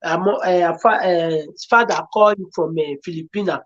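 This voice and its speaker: A woman's voice: on the low side, fairly quick, highs cut off. A woman with a Nigerian accent, a guest on a talk show, giving earnest, repetitive and pleading advice. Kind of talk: emotional advice-giving chat.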